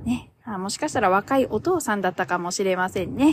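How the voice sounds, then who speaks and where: A woman's somewhat breathy, fairly high voice at a moderate pace. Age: 40s. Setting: recorded on the way home from work.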